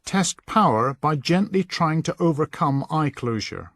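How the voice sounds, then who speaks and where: A man with a slightly high voice narrates a scripted lesson. He gives instructions in a measured way, recorded close and dry with no room sound. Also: animated, fairly bright tone, no room sound.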